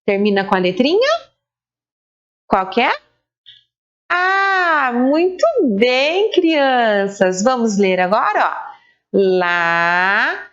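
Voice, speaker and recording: Woman teacher, Brazilian Portuguese, slow patient delivery, dull lo-fi sound. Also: high-pitched, big pitch swings. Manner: slow, sing-song syllable-by-syllable spelling, praising children. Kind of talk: online literacy lesson for young children.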